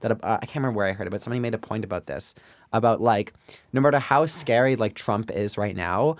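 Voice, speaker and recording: A man's voice: on the low side, fast talker, dry recording. A man from Canada chatting on a live podcast, rambling and stammering, swearing freely as he makes his points. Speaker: podcast co-host. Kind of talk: casual live podcast chat.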